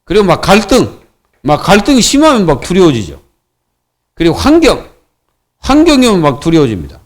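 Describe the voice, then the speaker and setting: A middle-aged male pastor preaching a sermon in an animated way, asking his congregation question after question. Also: high-pitched, fairly quick.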